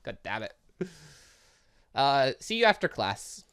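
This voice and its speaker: Excitable gaming host with swooping pitch. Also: takes it slowly, clear, resonant tone. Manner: rambling, excitable, exclaiming. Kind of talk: let's play commentary, reading game dialogue aloud.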